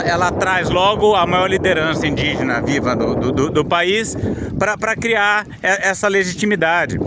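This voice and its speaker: A man with a Brazilian Portuguese accent, hosting a political commentary channel, talking outdoors with many restarts and repeated words. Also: fairly high pitch. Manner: many repetitions and restarts, indignant. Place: outdoors, windy. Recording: windy outdoor noise.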